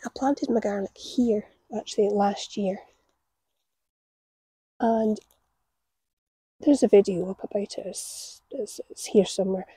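A woman's voice: medium pitch, dark tone, slightly rough, dry recording. A woman in her forties chatting casually to camera while working outdoors, telling stories with a laugh. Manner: chatty storytelling, laughs at her own tales. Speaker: gardening vlogger. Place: outdoor allotment garden. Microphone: camera on the ground a few metres away.

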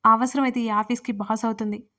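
A stern, protective young boss in a spoken story, serious and rebuking as a woman narrator voices him. The delivery stays fairly high and flat. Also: a little fast.

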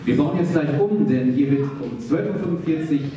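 A man's voice: a little high, normal speed. A man presenting with announcements from a stage. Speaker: event presenter. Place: live on a theatre stage. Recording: very echoey hall, distant, noisy crowd.

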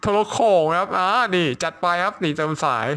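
A man with a high, bright voice walks viewers through a drawing step by step. He talks in a running, excitable commentary, full of exclamations of amazement. His tone stays sharp and lively throughout. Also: brisk. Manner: excitable, exclaims and laughs often. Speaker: drawing tutorial host.

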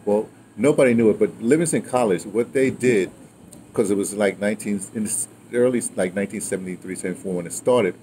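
A man in his sixties with an American accent and a fairly low, warm-toned voice. He tells stories in a casual, digressive way, looping back and checking that he is followed. He is recorded outdoors with some ambient noise behind him. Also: fast, poor audio. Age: 60s. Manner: animated, rambling, digressive, often ending phrases with "right?" and "you know". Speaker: guest recounting his radio history. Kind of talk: casual conversational storytelling. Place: outdoors, by a house with a wooden awning.

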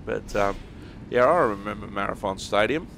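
Low-voiced Australian man over engine noise. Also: normal speed, vocal fry, a bit bright. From Australia (Western Sydney). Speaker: host of a truck simulator gaming series. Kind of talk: casual chat while playing a driving game. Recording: vehicle engine and road noise behind voice. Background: truck simulator game sounds, engine and road.

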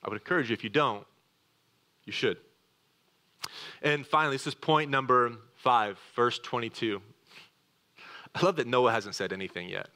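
A man preaching a sermon as a pastor, earnest, speeding through asides and slowing to quiet emphasis on key words, in a church. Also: mid-range voice. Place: church sanctuary.

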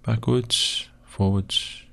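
Slow, croaky-voiced man narrating footage. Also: medium pitch, fairly even intonation, fairly bright tone. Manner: hesitant, pausing often with fillers. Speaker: video host analysing footage. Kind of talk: slow screen-recorded commentary.

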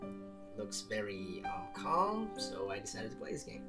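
Young filipino dude doing a casual lets play, reads story text out loud, really animated, guitar music in back. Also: male voice, fairly low pitch, unhurried. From Philippines. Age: young adult. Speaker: gamer hosting a let's play. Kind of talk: casual game commentary, reading story text aloud. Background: soft guitar music.

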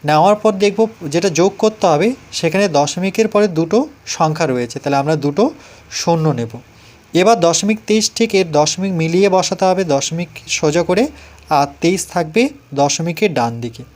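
A man's voice: a little high, expressive, brisk, a little mellow. A man with a Bengali accent teaching a primary-school math lesson, explaining each step patiently and reading digits out one by one.

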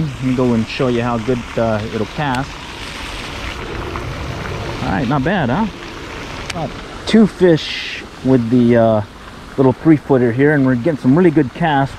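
This is casual fishing vlog commentary from a man standing on a pier at a park pond, chuckling while he describes his equipment and catches. His voice is medium in pitch, and background noise comes through on the action camera.

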